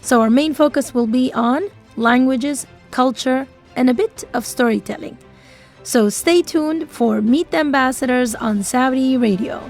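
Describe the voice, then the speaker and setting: A woman hosting a radio interview, asking polite, measured questions. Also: sits high, faint music behind. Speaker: radio host.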